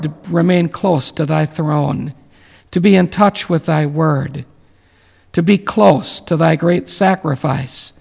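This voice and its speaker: A man in his late fifties with a deeply gravelly, slightly high voice leads a reverent prayer. He talks earnestly, pausing with fillers. The recording is dull and carries a long reverb. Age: 50s. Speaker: pastor. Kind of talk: closing remarks and prayer.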